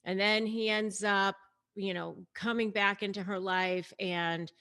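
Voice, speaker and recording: A woman with a medium-pitched voice speaks as a host and coach, explaining things in a casual, conversational way. She stresses her points and talks directly to the listener as she tells the story. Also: steady tone, measured pace, sharp tone, clean tone. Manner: conversational, emphatic, addresses the audience directly. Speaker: host and coach giving advice on narcissists. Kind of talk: casual explanatory commentary to camera, retelling a story.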